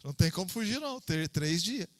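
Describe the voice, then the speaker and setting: High bright-voiced Brazilian preacher. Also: male voice, big pitch swings, fairly quick, no room sound, big-room sound. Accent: Brazilian Portuguese. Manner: conversational, repeats himself, asks the listeners for "amém". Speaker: preacher teaching a Bible study. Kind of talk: informal sermon teaching.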